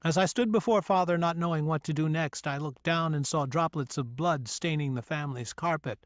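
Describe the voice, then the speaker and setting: Man with a raised pitch, sombre narration. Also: no room sound, highs cut off. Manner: measured, sombre first-person reading. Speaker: audiobook narrator. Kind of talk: scripted memoir narration.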